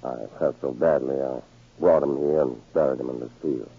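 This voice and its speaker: Very gruff, husky radio spy villain. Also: male voice, rumbling low, steady tone, moderate pace, full character voice. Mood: plausible, subdued. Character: smug, cold-blooded male spy villain, controlling. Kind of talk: 1940s radio drama acting. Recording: scratchy, narrow-band 1940s radio recording.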